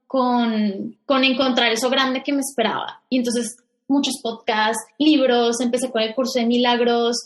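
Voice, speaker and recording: A woman from Bogotá in her thirties with a Colombian accent, telling her story as a podcast guest, often pausing and restarting. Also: on the high side. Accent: Bogotá Colombian Spanish. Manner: hesitant, restarts often, animated when quoting herself. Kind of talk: casual interview storytelling.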